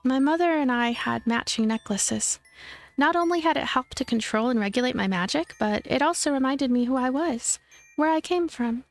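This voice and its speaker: A woman let's player reading a visual novel aloud in expressive narration, with game music behind her. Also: sits high, moderate pace.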